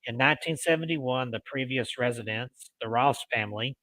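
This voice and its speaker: A man hosting a paranormal show, reading ghost stories aloud in deliberate phrases with casual asides. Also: mid-range voice, pushed and bright, no room sound, poor audio. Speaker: host of a paranormal storytelling show.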